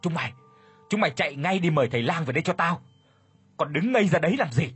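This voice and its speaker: A man voicing a harsh, bossy wife of a rich landlord who scolds servants in a shrill voice. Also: animated, quick pace, fairly bright tone, slightly rough, soft background music, heavily acted. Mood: scolding.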